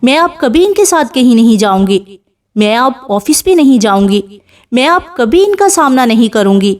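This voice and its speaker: A timid, frightened young woman from an audiobook romance, pleading and protesting in a fairly high voice, read by a woman narrator. She sounds close to tears. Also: lively intonation, distant mic. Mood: tearful, bitter. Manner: pleading, fearful.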